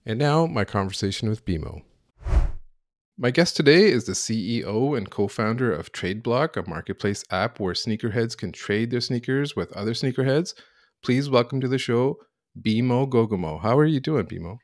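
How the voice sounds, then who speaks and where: A man's voice: medium pitch, expressive, moderate pace, dry recording, clean studio sound. A man hosting a podcast, introducing his guest and asking loose, rambling questions. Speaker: podcast host.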